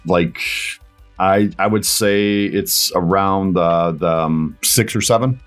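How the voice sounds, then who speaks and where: A man with a fairly low voice talks as a guest in a casual interview. He rambles and halts as he searches for words, often restarting his point. Soft music sits faintly behind him. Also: smooth. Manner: rambling, halting, recounts conversations as acted dialogue.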